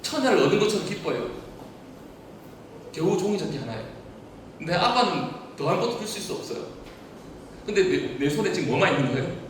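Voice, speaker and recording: Preaching in a church hall, a pastor with a high-pitched, very animated voice speaks fairly quickly, pausing often while peppering the congregation with questions. His voice echoes from far off, with slight background noise.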